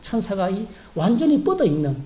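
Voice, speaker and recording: A middle-aged man preaching a sermon from the pulpit, with a mellow, soft-edged voice. He tells the story casually, pausing for asides and acting out the lines of the people in it. The sound carries the echo of a church hall. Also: high voice, sing-song. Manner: conversational storytelling preaching with fillers and acted-out quotes. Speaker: pastor. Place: church sanctuary.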